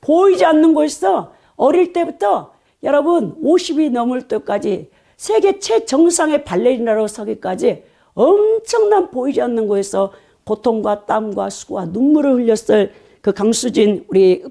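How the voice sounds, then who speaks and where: A woman pastor preaching a sermon, telling stories animatedly and checking in with the congregation through quick "eh?" asides. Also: fairly high pitch, expressive, gravelly, warm tone.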